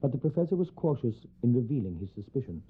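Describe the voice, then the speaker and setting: A man playing a sober solicitor who narrates a gothic horror tale in a measured, formal manner. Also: mid-range voice, big pitch swings, husky. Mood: sober, reflective. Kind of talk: scripted narration in radio drama. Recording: tinny narrow band, music behind. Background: music.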